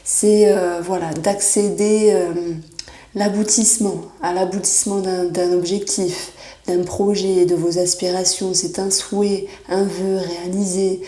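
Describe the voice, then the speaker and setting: A woman giving a monthly horoscope tarot reading, reassuring and often pausing with fillers as she searches for words. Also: fairly low pitch, flat delivery, warm tone. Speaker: tarot reader. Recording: echoey room.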